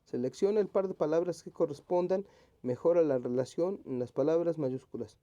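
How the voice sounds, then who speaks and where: A man, a teacher working through exam questions aloud, humming as he thinks and slowly rereading each option. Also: a little high, dark tone, lo-fi sound.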